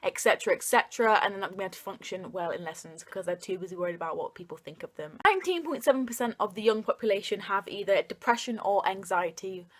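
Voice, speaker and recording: A woman's voice: medium pitch, fast, hardly any pauses, fairly bright tone. A young adult woman hosting an opinion vlog, talking straight to viewers in an informal, earnest and emphatic way. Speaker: video host.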